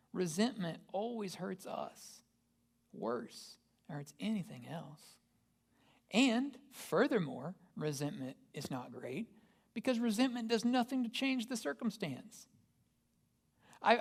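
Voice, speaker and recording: A man's voice: high voice, creaky, a bit bright. A man, a pastor, giving a conversational sermon and asking the congregation rhetorical questions. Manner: casual, asks the listeners rhetorical questions.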